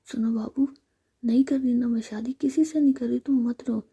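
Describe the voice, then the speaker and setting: A woman's voice: on the high side, steady tone, moderate pace, dark tone, breathy edge. A woman voicing a playful, doting young woman in whispered role-play, coaxing and pleading. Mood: soothing.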